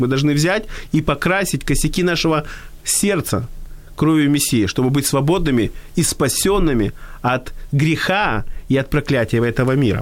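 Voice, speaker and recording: The intonation is lively. It is a plain, everyday voice. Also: man. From Odesa, Ukraine. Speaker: radio host. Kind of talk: casual radio conversation. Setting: studio.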